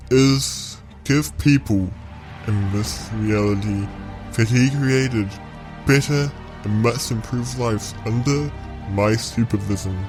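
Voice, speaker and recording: A man playing a vengeful clone villain in an audio roleplay, telling his story in a deliberate, gloating, theatrical way. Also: medium pitch, lightly acted. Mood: bitter. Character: vengeful male clone villain plotting to destroy a reality. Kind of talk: scripted audio roleplay monologue. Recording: music behind the voice.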